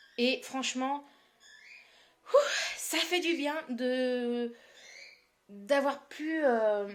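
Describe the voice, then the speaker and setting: The speech moves at a very slow pace, broken by long, frequent pauses. Pitch variation is ordinary. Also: woman, high pitch for a woman. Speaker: craft vlogger. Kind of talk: casual vlog. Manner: hesitant, many fillers.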